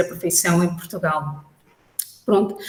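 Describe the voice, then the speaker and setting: A woman's medium-pitched voice. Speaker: psychologist. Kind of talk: radio interview. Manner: deliberately slow, measured; hesitant, many fillers.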